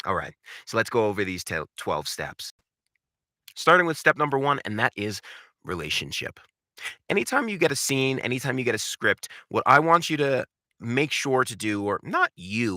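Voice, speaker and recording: Man, bright crisp edge, mid pitch, instructional coaching, emphatic repetition, dry recording. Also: no room sound. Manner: emphatic, acts out short example lines; direct, repeats phrases for emphasis. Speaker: voice acting coach and host. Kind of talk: instructional talk to viewers.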